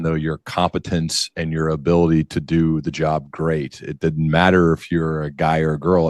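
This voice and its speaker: A man's voice: rumbling low, dry recording, studio quality. A man hosting an interview in a casual, conversational way, curious and thinking aloud as he frames his questions. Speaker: podcast host, interviewer.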